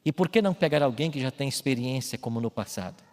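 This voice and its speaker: A man preaching a sermon as a pastor in a church, speaking emphatically and building to loud calls. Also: medium pitch, lively intonation, quick pace. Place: church with baptismal tank. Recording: long hall reverb, faint music.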